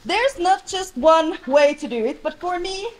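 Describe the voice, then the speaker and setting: A woman in her thirties with a Finnish accent runs a hands-on jiu-jitsu class. Her voice sits high and she talks slowly, stopping often. She speaks loudly and plainly, recorded by a distant camera in a large, bright training hall. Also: animated. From Finland. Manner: loud voice, plain halting instruction. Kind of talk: live technique demonstration.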